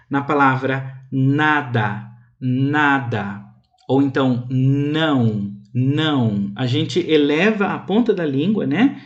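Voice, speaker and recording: Brief: young Brazilian man, university instructor, unhurried lecture, sounds out each word. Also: a little high, lo-fi sound. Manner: slow, careful, drawn-out pronunciation examples. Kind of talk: online lecture on phonetics.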